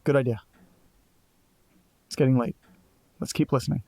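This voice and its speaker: An actor playing a restless, sardonic young man in an audio drama, who keeps piecing clues together out loud. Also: mid-range voice, fairly even intonation, a little hiss or hum, natural voice. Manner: sardonic, restless, quick to jump to conclusions. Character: Nate, anxious young man chasing a mystery.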